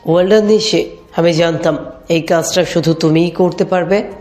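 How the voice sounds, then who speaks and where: A man's voice: a little high, fairly even intonation, moderate pace, darkish tone, close to an everyday voice. A man playing an approving, protective senior police officer in a dramatized love story, speaking with authority. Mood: approving, serious. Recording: music under the voice.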